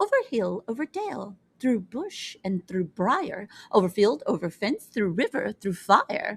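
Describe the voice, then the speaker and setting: Using a put-on character voice, a woman speaks in a sing-song way at a medium pitch and a moderate pace. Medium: read story. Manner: singsong, rhyming.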